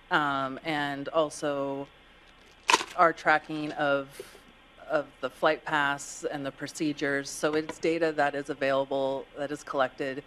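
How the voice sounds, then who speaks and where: Low, flat-voiced woman explaining. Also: a little hiss or hum, poor audio. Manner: measured, explanatory. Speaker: staff member presenting. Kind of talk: explanatory answer in a meeting.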